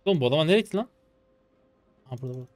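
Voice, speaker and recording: A man in his twenties commentating his own gameplay live, excitable and swearing casually as he talks to viewers. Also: on the high side, racing. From Turkey. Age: 20s. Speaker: game streamer.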